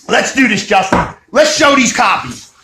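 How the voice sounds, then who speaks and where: A man with a very high, lively voice hypes up a joke sales pitch, shouting and bantering. The sound is roomy and echoey, with clear background noise throughout. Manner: loud, boisterous, hyped, shouting. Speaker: mock shopping channel pitchman.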